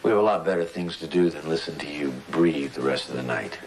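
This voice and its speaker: A man's voice: extremely low pitch, fairly quick, rough recording. An American man playing a wry, impatient police detective in a TV crime drama, with dry sarcasm. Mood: sarcastic, pressing.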